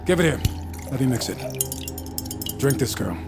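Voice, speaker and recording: A gravelly, commanding sorcerer. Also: male voice, mid-range voice, sing-song, moderate pace, loud music behind the voice. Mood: composed. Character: calm, mercurial sorcerer doctor, adult man. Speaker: actor in audio drama. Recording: loud score mixed under voice.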